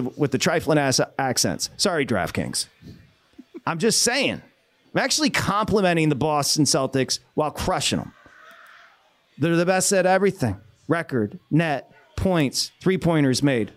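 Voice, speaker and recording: A man hosting a sports betting show, talking casually in an animated, ranting way with quick asides. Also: on the high side. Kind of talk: casual sports radio talk.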